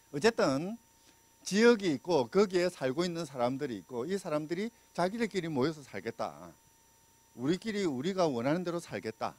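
A middle-aged man lectures on law with a handheld mic in a small room, his voice close and dry. His pitch sits a little high and swings widely as he talks. He keeps it conversational and tosses questions out to the listeners. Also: a little mellow, no echo. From Busan, South Korea. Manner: conversational, asks the audience questions, many fillers; gestures and walks while talking. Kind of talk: public lecture.

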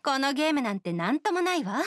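An actress voicing a proud, perfectionist young oni musician in a Japanese video game, poised, exacting and self-assured. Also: female voice, high-pitched, big pitch swings, quick pace, dry recording, studio quality. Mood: confident, haughty.

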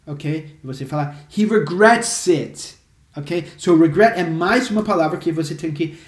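A man who is a native English speaker teaching English, explaining phrases slowly and repeating examples for drill. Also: on the high side. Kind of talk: language lesson to camera. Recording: echoey room.

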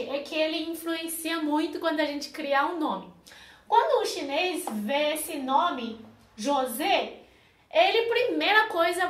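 A woman's voice: very high voice, a bit bright, echoey room. A woman, a Mandarin speaker, teaching a language lesson in a patient way and often checking in with her listeners. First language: Mandarin Chinese. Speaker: Chinese teacher.

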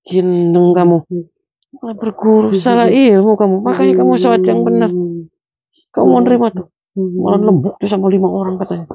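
A man's voice: sits high, a little fast, gravelly, long pauses, slightly rough, dry recording. A man with a Cirebon accent, a spiritual healer who gives stern commands and scolds a patient. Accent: Cirebon Indonesian. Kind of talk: scolding healing session. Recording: dull dry lo-fi sound.

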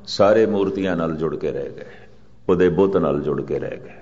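Older male Sikh preacher, low measured voice, long hall reverb. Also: a little mellow. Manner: slow, measured delivery with chanted scripture quotes. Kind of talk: religious discourse. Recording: muffled archival recording with long reverb.

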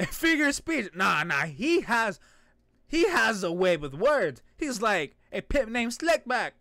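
A man's voice: sits high, sing-song, a little slow, sharp tone, dry recording, studio quality. A young man hosting a reaction video with casual, playful, joking and exclamatory commentary. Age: young adult. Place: small indoor room.

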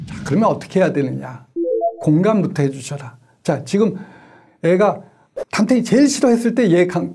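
Man, middle-aged, parenting lecture, mellow tone, somewhat high voice, asks listeners questions. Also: husky. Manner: asks the audience questions and acts out examples. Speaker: teacher giving a parenting lecture.

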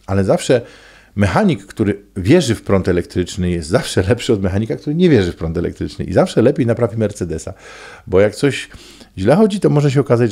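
A man's voice: on the low side, vocal fry, warm tone, husky. A middle-aged man, a coach speaking in an emphatic, preachy and colloquial monologue to camera. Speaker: coach and trainer. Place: small indoor room. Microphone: desk microphone close in front.

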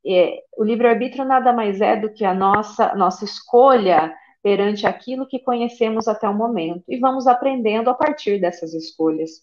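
A woman delivers a religious lecture over a video call, her voice at a middle pitch. She leans on frequent tag questions and repeats her phrases for emphasis, pausing to read passages aloud. The audio comes through muffled and lo-fi. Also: a little mellow. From Brazil. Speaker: lecturer at a spiritist center. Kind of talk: religious lecture given online.

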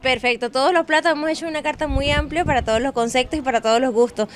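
A woman's voice: high-pitched, fast talker. A woman chef in her thirties with a Venezuelan accent, speaking politely and earnestly into a handheld mic. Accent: Venezuelan Spanish. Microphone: handheld reporter mic.

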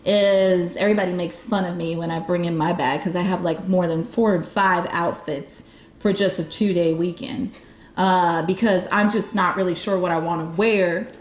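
A woman's voice: fairly low pitch, fairly even intonation, moderate pace, reverberant, slight background noise. A woman chatting casually on a video, showing her convention gear and laughing often. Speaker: YouTube convention reporter. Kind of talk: casual show-and-tell chat. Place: game room with arcade cabinets.

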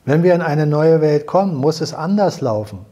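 Earnest older man, dark husky voice. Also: a little high, lively intonation, moderate pace. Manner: earnest, explanatory, repeats himself while searching for words. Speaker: host. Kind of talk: salon conversation. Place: living room with fireplace, indoors.

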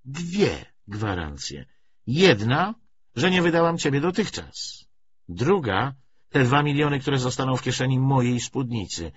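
A man reading an audiobook, voicing a defiant, threatening woman with a sharp, insistent, sardonic manner. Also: mid-range voice, sing-song, a little slow, voice pushed up. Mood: cool, sardonic. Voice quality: hoarse, strained half-shout. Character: defiant, threatening woman bargaining hard for money. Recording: dull audiobook recording with faint noise.

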